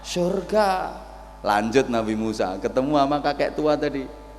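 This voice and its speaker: Slow, joking preacher with a Javanese accent. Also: male voice, medium pitch, expressive, darkish tone, big-room sound, a little hiss or hum. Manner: joking, storytelling, teasing the crowd. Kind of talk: humorous sermon. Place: outdoor field before a large crowd.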